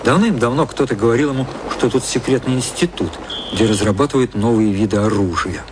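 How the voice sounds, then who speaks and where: A male actor giving a measured, detached scripted narration as the narrator of a literary radio drama. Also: medium pitch, background noise, close to an everyday voice.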